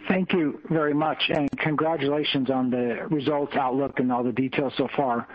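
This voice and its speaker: A man's voice: medium pitch, fairly even intonation, moderate pace. A man speaking as a financial analyst, asking a polite question on an earnings call. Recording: dull lo-fi phone line.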